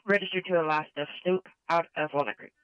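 A police dispatcher speaking over a police radio transmission, reading out plate checks and unit status in a flat, rapid way. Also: mid-range voice, smooth, no echo. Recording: tinny narrow-band radio.

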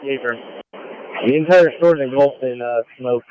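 A man's voice: medium pitch, measured pace, lo-fi sound. A man speaking as a firefighter on scene, giving urgent, clipped procedural reports over a two-way radio. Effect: two-way radio transmission. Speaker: firefighter, incident officer on scene.

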